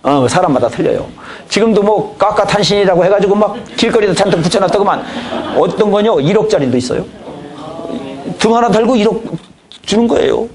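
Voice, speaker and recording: A man's voice: high voice, expressive, a little fast, darkish tone. A pastor in his fifties giving a church training lecture, telling folksy family stories and acting out conversations. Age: 50s. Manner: folksy storytelling, acts out dialogue. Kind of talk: lecture on evangelism.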